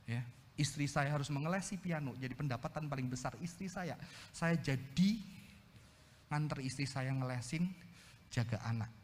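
A man in his forties preaching a sermon as a pastor, animated, moving between loud exclamations and quiet storytelling, into his speech. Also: mid-range voice, moderate pace, slight background noise. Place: church hall. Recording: long hall reverb.

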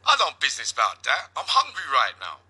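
Guy doing an eager con, high jumpy voice, husky and lively. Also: brisk, exaggerated voice. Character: hungry, eager male prisoner, excitable and wired.

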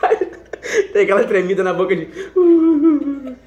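A young Brazilian man with a Brazilian Portuguese accent, telling a funny story in casual chat, animated and laughing often, with restarts. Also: high-pitched, fast talker. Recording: echoey room.

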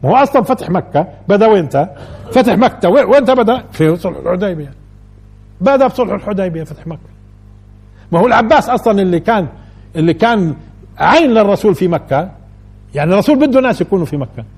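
Male religious teacher, high voice, husky, keeps quizzing listeners. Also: animated, fast, long pauses, darkish tone. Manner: keeps asking the audience rhetorical questions. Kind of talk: colloquial Quran lesson.

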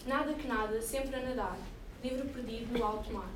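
A woman reciting a rhyming poem aloud in a measured, rhythmic way at a reading. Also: on the high side. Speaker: reader at a reading event. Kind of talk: poetry recitation. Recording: echoey room, distant mic, noisy.

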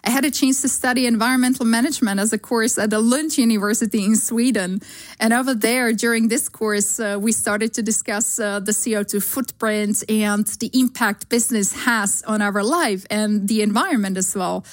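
A woman in her thirties from Slovakia with a Slovak accent, answering interview questions in an earnest, measured way with frequent fillers. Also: fairly high pitch, steady tone. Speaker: guest, sustainability consultancy founder.

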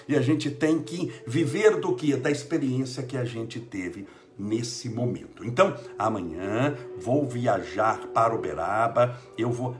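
A Brazilian man with a cold gives an informal live spiritual talk as host, preaching and repeating phrases for emphasis. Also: medium pitch. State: sick with a cold. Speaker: religious livestream host.

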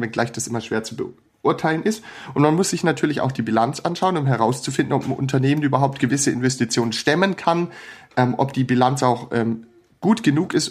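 A man as a podcast guest, explaining his approach to analyzing companies in a thorough, methodical way. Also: medium pitch. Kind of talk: explanatory interview answers.

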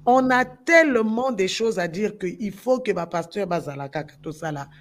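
A woman's voice: medium pitch, lively intonation, normal speed. A woman from the Congo with a Congolese French accent, a gospel musician speaking with passion and repeating phrases for stress. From Democratic Republic of the Congo. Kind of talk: impassioned talk-show discussion.

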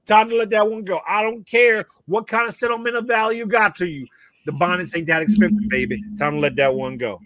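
Animated high-voiced man joking on a podcast. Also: fairly quick, no room sound, studio quality. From northern US. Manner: animated, joking, loud bursts and laughs. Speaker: co-host. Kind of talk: casual podcast chat.

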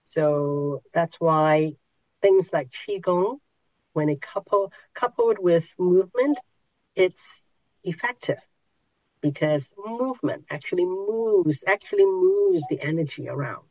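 Slow, unhurried woman. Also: on the low side, darkish tone, dry recording, dull audio. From Hong Kong. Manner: slow, searching, with many pauses and restarts. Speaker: podcast host and spiritual teacher. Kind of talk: explaining to a small group.

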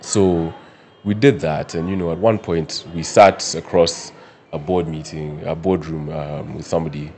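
A man from Kenya telling his story as a guest in an interview, speaking in a measured, soft way with frequent pauses and restarts. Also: a bass voice, steady tone, a little hiss or hum. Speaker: guest, company director.

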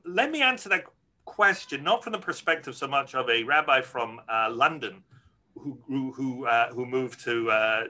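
A man's voice: mid-range voice, bright, forceful tone. A middle-aged man from Scotland, a rabbi answering interview questions earnestly and frankly, with many restarts.

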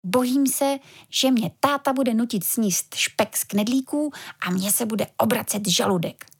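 A woman's voice: on the high side, slightly rough. A woman voicing an anxious little girl. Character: anxious imaginative young girl.

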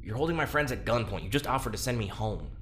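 A man playing an awkward, wry prisoner in an audio drama, halting, apologetic and understated. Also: medium pitch, expressive, fairly bright tone, a little hiss or hum, natural voice. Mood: wary, wry. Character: awkward, wry, hesitant male prisoner, handy with machines. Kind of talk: naturalistic audio drama acting.

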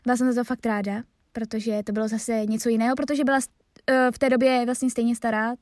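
A young woman talks casually about her work as a voice actress, chatty and reflective, and she often lets her sentences trail off. Her voice sits high. The recording is dry and close, with no room sound. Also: level tone, darkish tone, no echo. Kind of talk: casual chat about her dubbing roles.

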